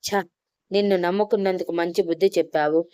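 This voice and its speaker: A woman acts out a harsh, haughty lady of the house in a storybook, scolding with irritation. The voice is very clear and dry. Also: lowish voice, fairly even intonation, fast, mellow, dry recording, close to an everyday voice. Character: haughty rich older woman, harsh mistress.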